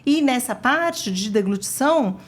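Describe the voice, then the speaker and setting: A woman's voice: fairly high pitch, expressive, a little slow. A middle-aged woman, a speech therapist, explaining things as a guest in an interview with eager emphasis. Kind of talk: casual interview chat.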